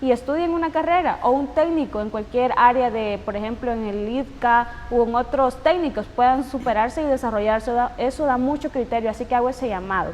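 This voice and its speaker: Over noticeable background noise, a woman talks at a fairly quick pace in a high voice with ordinary pitch variation. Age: 20s. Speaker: political candidate. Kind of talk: interview.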